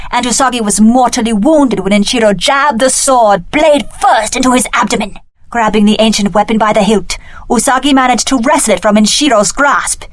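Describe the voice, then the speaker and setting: Woman acting a high-voiced, haughty young warrior woman. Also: dry recording, natural voice. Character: cunning young woman warrior, clan heiress turned haughty traitor. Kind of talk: video game voice acting.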